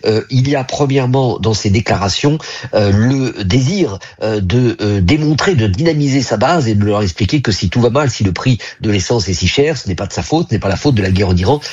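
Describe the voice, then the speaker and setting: A man speaks as a guest analyst, his low voice husky and a little breathy. He talks in measured stretches broken by frequent hesitations, then leans hard on key points. The sound comes over a dull, lo-fi remote line. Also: a little mellow. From United States. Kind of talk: live news interview commentary.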